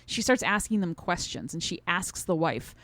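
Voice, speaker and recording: A woman's voice: on the low side, very animated, normal speed, a bit bright, no echo. A woman co-hosting a podcast in casual conversation, retelling things in detail and acting out quotes as she goes. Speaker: podcast co-host.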